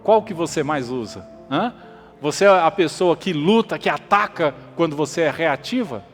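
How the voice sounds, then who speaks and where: Male pastor preaching emphatic, kinda high voice, echoey church hall, soft music behind. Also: animated, normal speed. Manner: emphatic preaching with rhetorical questions and repetition. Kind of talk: sermon.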